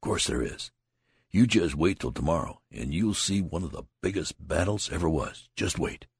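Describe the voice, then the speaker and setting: A man's voice: low-pitched, lively intonation, moderate pace, vocal fry, husky, dry recording, clean studio sound, exaggerated voice. A man voicing a tall, boastful young soldier who talks in a folksy, lecturing way. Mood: confident. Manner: folksy rural talk, lecturing.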